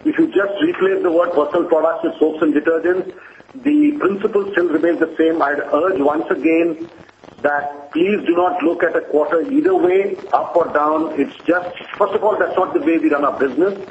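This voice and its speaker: A man speaking as a company executive on an earnings call, explaining in a measured, reassuring way. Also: a little high. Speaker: company executive answering analysts. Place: conference call. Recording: roomy, dull conference line with hiss.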